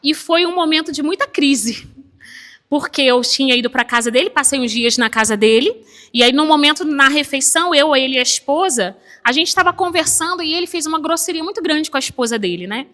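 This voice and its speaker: São woman preaching, bright voice, chatty and emotional, lots of echo from the church. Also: sits high, fairly quick. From Brazil. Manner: emotional, conversational, frequent "né?" asides. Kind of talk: sermon with personal story. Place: church chapel.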